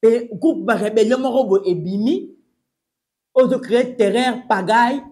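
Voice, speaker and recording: A young adult man with a Congolese accent sits facing the camera in a small plain room, delivering urgent, emphatic news commentary in French and Lingala while gesturing. His voice is high with a darkish tone, and he speaks a little slowly.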